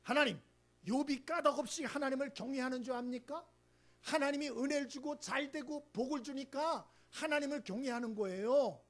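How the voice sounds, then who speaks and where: A man voicing Satan accusing a man before God, louder and higher than his preaching voice. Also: moderate pace. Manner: louder, raised pitch, challenging. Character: accusing male Satan, scornful and sly.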